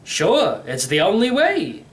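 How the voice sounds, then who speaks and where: A man's voice: high-pitched, huge pitch swings, slow, a bit bright, voice pushed up, full character voice. A man voicing a cheerful, reckless, eccentric old uncle from a storybook in a theatrical, breezy manner. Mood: gleefully dismissive. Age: older. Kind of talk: storybook character voice.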